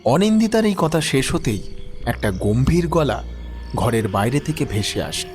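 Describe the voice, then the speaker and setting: A man's voice: medium pitch, big pitch swings, moderate pace, music in the background. A man narrating a scripted horror story in a dramatic storytelling style.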